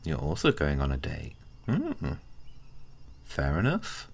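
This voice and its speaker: Man acting a very deep-voiced, laid-back friend. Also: huge pitch swings, creaky, exaggerated voice. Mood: casual, teasing. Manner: hesitant, halting, colloquial, with sighs and soft chuckles. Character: laid-back, teasing giant micro friend, male, kind, stood up by his date. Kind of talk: ASMR roleplay audio, casual chat to the listener.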